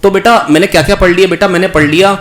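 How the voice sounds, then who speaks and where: A man teaching physics in an online exam-prep lecture, coaxing students and repeating formulas slowly like a chant. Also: high voice, steady tone.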